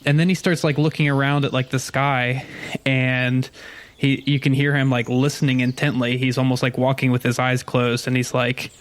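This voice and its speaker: A man's voice: mid-range voice, level tone, moderate pace. A man playing a tabletop role-playing game, narrating his character's actions in a casual, rambling way.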